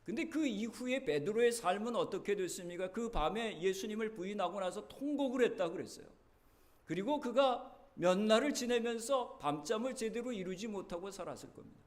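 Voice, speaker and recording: Male pastor, high-pitched, earnest sermon storyteller. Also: expressive, fairly quick. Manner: earnest storytelling preacher, voice rising and dropping. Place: church sanctuary.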